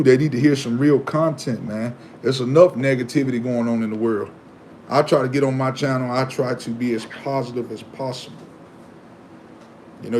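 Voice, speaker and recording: A man hosting a live stream, chatting casually and preaching, animated and given to repeating himself. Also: medium pitch, a little hiss or hum. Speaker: livestream host.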